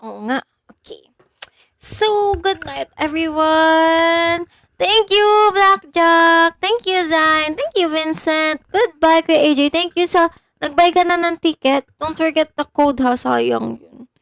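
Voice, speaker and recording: A woman's voice: extremely high pitch, slow pace, gravelly, a bit bright. A young woman from Bulacan in the Philippines, chatting casually on a phone livestream and thanking her viewers by name. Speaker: idol livestreamer.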